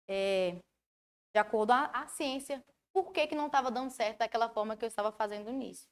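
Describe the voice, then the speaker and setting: This woman, who has a Brazilian Portuguese accent, is a study mentor leading an online lecture. She explains things animatedly and puts questions to her audience, her voice sitting high.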